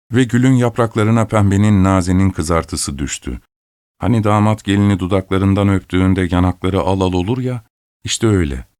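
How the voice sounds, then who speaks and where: Deep-voiced man narrating a fairy tale. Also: no echo, clean studio sound. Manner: measured, expressive. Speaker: storyteller. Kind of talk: storybook narration.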